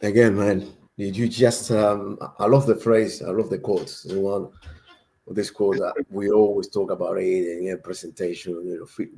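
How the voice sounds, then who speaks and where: A man's voice: low voice, flat delivery, normal speed, creaky, dark tone. A man from Cuba with a Cuban Spanish accent, a native Spanish speaker, chatting emphatically and repeating words as he speaks. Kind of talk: casual chat.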